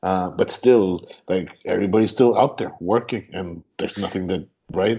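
A man in a Spanish accent speaks at a moderate pace, his fairly low pitch showing ordinary variation. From Mexico. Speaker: drama teacher. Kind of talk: casual interview chat.

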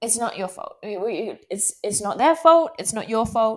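With an Australian accent, a woman talks at a moderate pace in a fairly high pitch with very wide pitch swings. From Australia, Gold Coast. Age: 20s. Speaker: podcast host. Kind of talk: casual solo podcast monologue. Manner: hesitant, many fillers and laughs.

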